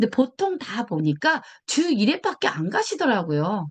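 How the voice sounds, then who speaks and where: A somewhat breathy woman's voice with very wide pitch swings. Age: 60s. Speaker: company executive presenting a product. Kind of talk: sales pitch.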